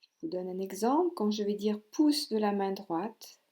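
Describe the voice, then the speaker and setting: A woman guiding a yoga nidra relaxation as instructor, speaking in soothing, gentle, unhurried instructions with pauses. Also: medium pitch, lively intonation. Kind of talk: guided relaxation meditation.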